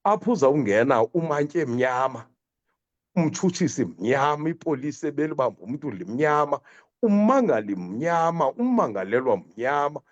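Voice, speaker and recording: A man with a Xhosa accent giving earnest commentary as a radio guest, halting often as he searches for words. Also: on the high side, big pitch swings. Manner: halting, with many repeated hesitations. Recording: dull, lo-fi line.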